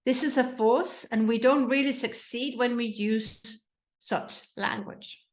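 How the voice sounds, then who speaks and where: A Danish woman with a Danish accent speaks a little slowly in a fairly high voice with fairly even intonation, and the sound is roomy. As a mindset coach and host giving a motivational talk, she puts many questions to her listeners.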